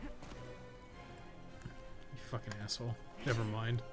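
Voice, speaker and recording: A man's voice: medium pitch, steady tone, unhurried, over music. A man doing casual, sweary live gameplay commentary, often muttering to himself as he plays. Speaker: game streamer, podcast host.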